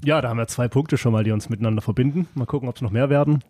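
Man, podcast host, warm mellow tone, dry close sound, chatty, eager. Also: medium pitch, racing, dry recording. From southern Germany. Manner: chatty, eager, frequent affirmations. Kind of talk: casual interview chat.

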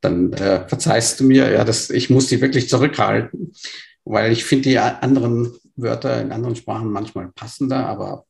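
Gravelly man born in Burma, hesitant. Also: mid-range voice, normal speed, darkish tone. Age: 50s. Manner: hesitant, many fillers and restarts. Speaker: interview guest. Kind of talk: conversational interview storytelling.

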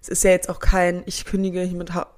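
A woman in her early twenties talks casually as a podcast co-host. Her voice sits a little low for a woman. She is relaxed and chatty, often trailing off and restarting her sentences. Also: a little fast. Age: 20s. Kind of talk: casual chat.

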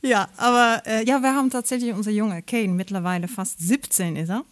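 A woman's voice: medium pitch, steady tone, fairly quick. A woman from the Netherlands in her forties, a native Dutch speaker with a Dutch accent, chatting as a guest and laughing easily. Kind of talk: casual interview chat.

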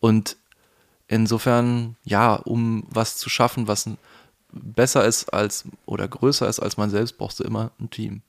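A man's voice: fairly low pitch, level tone, a little slow, gravelly. Hesitant man with a Palatinate lilt. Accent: Palatinate German. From Palatinate, Germany. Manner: thoughtful, hesitant, many fillers. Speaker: guest, voice actor. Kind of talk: casual conversational interview.

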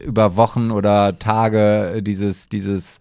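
A man's voice: lowish voice, flat delivery, slow pace, darkish tone, smooth, no room sound. A man co-hosting a casual podcast, teasing his partner with dry sarcasm and many hesitant restarts. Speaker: podcast co-host.

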